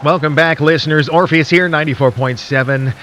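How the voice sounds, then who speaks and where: A man playing a folksy late-night radio DJ in a radio drama, speaking intimately and conversationally to listeners with theatrical pauses and a skeptical, intrigued air. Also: on the high side, steady tone, fairly bright tone, slight background noise, close to an everyday voice. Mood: ominous, intrigued. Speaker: radio host.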